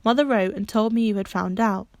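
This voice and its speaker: A woman voicing a gentle father speaking tenderly and reassuringly to his daughter. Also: mid-range voice, fairly even intonation, brisk, dry recording, close to an everyday voice. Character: gentle loving father, tall man.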